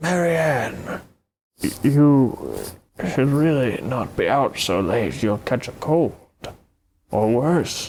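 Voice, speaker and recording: A put-on character voice sits at a low-to-middle pitch. It moves at a very slow pace, with long, frequent pauses. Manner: gentle, warning.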